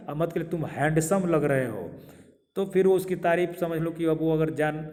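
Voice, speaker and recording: Male English teacher, fairly high voice, drills words one by one, lingering reverb. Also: darkish tone. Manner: repeats words slowly, asks viewers questions. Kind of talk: pronunciation lesson to camera. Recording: long hall reverb.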